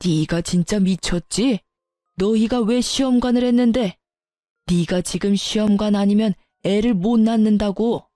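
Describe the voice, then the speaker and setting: An enraged older father-in-law hurls insults at his grown son, as a woman voices him in a story reading. The voice is mellow and dark rather than bright, close and dry. Soft music plays underneath. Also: medium pitch, a little slow, dry recording, close to an everyday voice. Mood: furious. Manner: berating, shouting insults.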